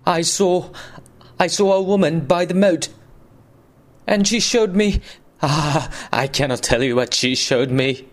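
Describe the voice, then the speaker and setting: A man's voice: mid-range voice, big pitch swings, measured pace. A man voicing a frightened traveler in a spooky storybook reading, pleading and panting in terror. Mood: terrified. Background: music.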